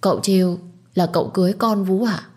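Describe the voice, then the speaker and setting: A woman playing a timid young servant girl who answers politely and shyly. Her voice is husky, pitched a little higher than it usually sits. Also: steady tone, a little fast, dark tone, close to an everyday voice.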